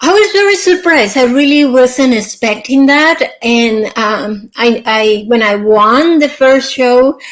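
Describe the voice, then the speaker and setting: A woman speaks with a Mexican accent in a high, lively voice at a fairly slow pace. She hardly pauses, and her loudness stays very even. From Mexico (Mexico City, Tijuana). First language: Spanish. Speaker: fashion designer. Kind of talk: interview. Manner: halting, many repetitions and fillers.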